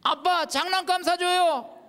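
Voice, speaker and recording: A man's voice: steady tone, unhurried, bright, forceful tone, in a large hall, full character voice. A man putting on a cooing little kid. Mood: sweet pleading. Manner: high, childlike and cooing. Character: small child pleading sweetly to daddy.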